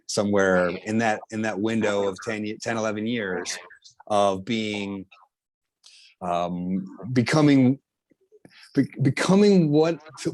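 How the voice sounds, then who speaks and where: A middle-aged man with a South Jersey accent, a chiropractor explaining his healing technique in an interview, halting and restarting as he talks. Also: mid-range voice, rough recording. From New Jersey. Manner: halting, with frequent restarts and fillers. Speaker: chiropractor and healer, guest.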